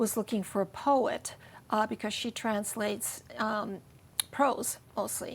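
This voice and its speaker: In a very clean recording with a silent background, a woman with a Ukrainian accent talks at a fairly slow pace and a fairly high pitch. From US, Ukrainian-American family. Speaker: poet and translator. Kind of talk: interview. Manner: halting.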